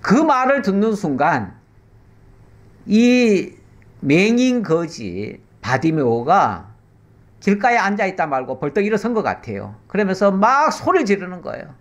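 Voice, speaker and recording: A middle-aged male pastor with a high, sing-song voice teaches the Bible conversationally, explaining through rhetorical questions and slow pauses.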